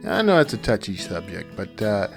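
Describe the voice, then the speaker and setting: A man with a fairly low, creaky, sing-song voice hosts a podcast alone, speaking at a normal speed with music in the background. He chats casually and rambles, often interrupting himself and doubling back.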